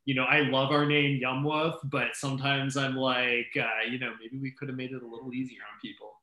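Man with a bright voice in an echoey room. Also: mid-range voice, brisk. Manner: relaxed, friendly, many "uh"s. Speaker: guest, company CEO. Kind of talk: casual video-call interview. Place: small room at home. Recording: echoey room on a video call.

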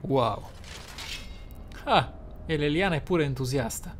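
A man's voice: fairly high pitch, lively intonation, slow. Man commentating a game over music. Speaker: gameplay host. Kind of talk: playthrough commentary on a roleplaying game. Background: game music behind the voice.

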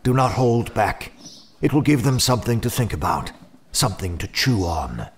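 An actor playing a cold, calculating, self-serving schemer in an audio horror drama, speaking with deliberate menace. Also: male voice, medium pitch, sing-song, a little hiss or hum, close to an everyday voice.

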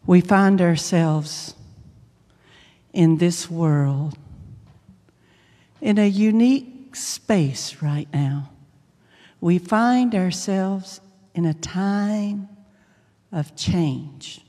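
Very slow, mellow woman guiding meditation. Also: fairly low pitch. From United States. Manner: hushed, soothing, deliberate phrasing with long pauses. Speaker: minister leading a guided meditation. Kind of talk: guided meditation. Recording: long reverb, music behind. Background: instrumental meditation music.

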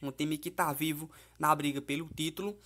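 A man's voice: fairly high pitch, steady tone, normal speed, bright, forceful tone. Male tipster, voice-over, casual and chatty, frequent tag questions to the audience. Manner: chatty, fillers like "né?" and "beleza?", addresses viewers as "família" and "galera". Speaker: football betting tipster. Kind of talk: casual betting-tips commentary over app screenshots. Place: voice-over, not recorded in the pictured place.

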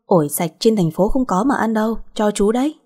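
A woman's voice: medium pitch, animated, dark tone, slightly rough. A woman voicing a cheeky country girl of nearly eighteen who answers back with teasing retorts. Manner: sassy, quick retorts, teasing.

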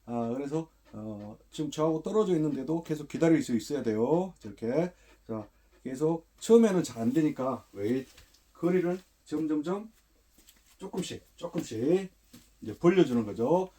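A man with a slightly raised, husky voice runs a hands-on dog training demonstration. He snaps out short, firm commands, then slips back into calm, patient explanation. It is recorded indoors. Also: fairly high pitch, moderate pace. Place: indoors, a room.

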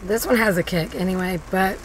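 A middle-aged woman reviewing fast food in a chatty, playful way, talking with her mouth full of food inside a car. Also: mid-range voice. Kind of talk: casual food review vlog. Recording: clear car and traffic noise behind.

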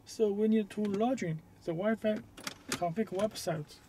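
High-pitched man, slow halting non-native English. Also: noisy background. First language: not English. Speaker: product demonstrator. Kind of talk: step-by-step hands-on tutorial. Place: inside a parked car.

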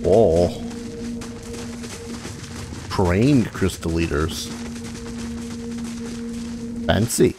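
Low-voiced man casually narrating gameplay. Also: extremely slow, pauses often. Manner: relaxed, hesitant, with dry self-mocking jokes. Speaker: game master host of a let's play. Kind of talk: casual let's play commentary. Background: game music.

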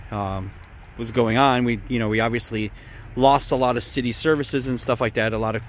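A man's voice: mid-range voice, fairly bright tone. A man walking outdoors on a city street, talking casually to his phone camera as he reports on abandoned houses, with plenty of ums and restarts. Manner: rambling, many ums and restarts. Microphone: handheld phone camera. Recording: faint street noise outdoors.

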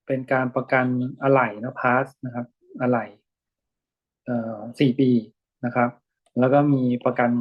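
A man in a relaxed lesson, explaining an article slowly and thinking aloud with many pauses and fillers. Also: mid-range voice. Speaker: lecturer reading an article with students. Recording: dull lo-fi recording.

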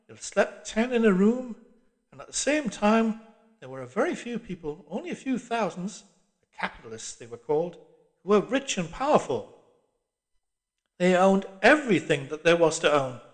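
An earnest, tentative younger man, as a male narrator gives him voice, slightly higher than the narration and carefully measured. Storybook reading. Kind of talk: audiobook character voice.

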